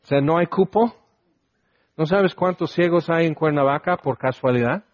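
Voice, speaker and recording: A man's voice: fairly high pitch, normal speed, no echo, dull audio. A man preaching a conversational sermon, asking his listeners questions and acting out the lines he quotes.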